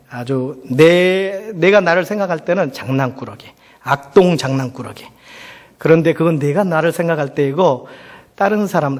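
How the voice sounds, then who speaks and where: A middle-aged South Korean pastor delivers a sermon in a large church hall, telling personal stories conversationally and often posing rhetorical questions. His voice is fairly high with a darkish tone, and the hall sound is reverberant.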